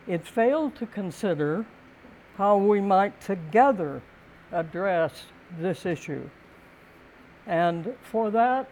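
An older woman giving a prepared talk in a calm, gentle, deliberate way, with thoughtful pauses between phrases. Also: mid-range voice, a little hiss or hum, rough recording. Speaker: speaker giving a talk on community and housing.

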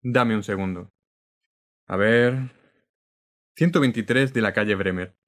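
A man's voice: on the low side, unhurried, fairly bright tone. A man playing a grumbling, bantering city clerk. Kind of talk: radio drama acting.

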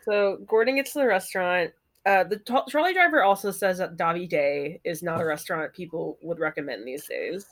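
A woman's voice: fairly low pitch, animated, brisk. A woman co-hosting a casual podcast, recapping a TV episode with giggles and lots of fillers. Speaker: podcast co-host. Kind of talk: casual chat.

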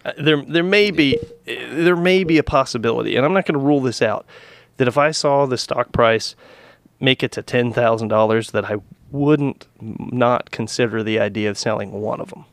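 A podcast co-host chats casually about stocks, rambling with lots of restarts and fillers. His medium-pitched voice has vocal fry and moves at a moderate pace.

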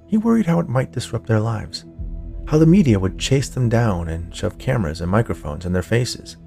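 A man with a low, gravelly voice narrates fiction as a podcast storyteller. His delivery is scripted audiobook reading, with faint music underneath. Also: big pitch swings, moderate pace, a little mellow.

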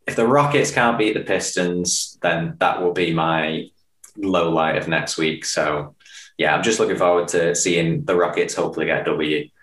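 Deep-voiced deadpan man. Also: normal speed, reverberant. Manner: dry, deadpan humor. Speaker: podcast co-host. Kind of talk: casual sports chat. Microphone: video call.

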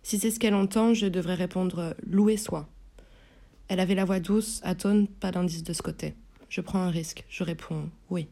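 A woman narrating a novel in first person, in a measured, inward, tense way. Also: fairly low pitch, fairly even intonation, vocal fry, warm tone. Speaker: audiobook narrator.

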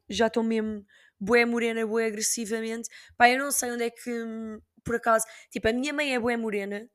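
A young woman from Portugal, hosting a podcast and chatting casually in a slangy, animated storytelling way. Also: a little high. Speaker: podcast host. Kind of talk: casual solo podcast chat.

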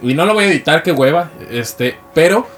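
A man's voice: a little high, expressive, brisk, fairly bright tone. A man with a Mexican accent hosting a casual podcast chat, cutting in with slangy jokes. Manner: joking, slangy interjections. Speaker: podcast host. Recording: distant mic, faint background noise.

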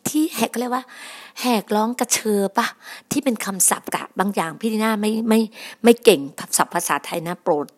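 A woman's voice: on the high side, a little fast, hardly any pauses. A woman preaching a sermon on her podcast, emphatic and repetitive, often addressing her listeners as brothers and sisters.

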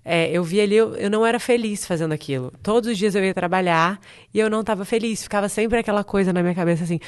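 A smooth, clear-voiced woman, talking freely as a podcast guest. She speaks at a middle pitch for a woman and tells stories in a chatty, lively way, laughing easily. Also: fast talker. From Brazil, grew up in Espírito Santo. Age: 30s. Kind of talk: casual interview chat.

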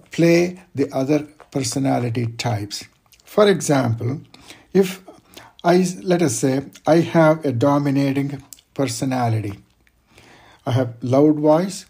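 Husky, mellow-voiced man giving career advice. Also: medium pitch. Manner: measured, explanatory, uses examples and lists. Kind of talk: interview advice talk.

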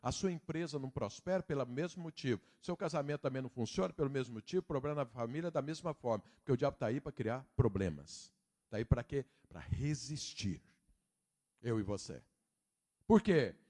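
A middle-aged man preaching a sermon, telling a personal story and acting out the dialogue before building to loud preaching. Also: medium pitch, expressive, brisk. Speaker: pastor.

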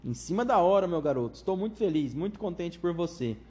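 A man voicing an eccentric, excitable chocolate factory owner with a high, flute-like voice who gushes out strings of welcomes. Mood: gushing. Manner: gushing, rapid strings of enthusiastic welcomes.

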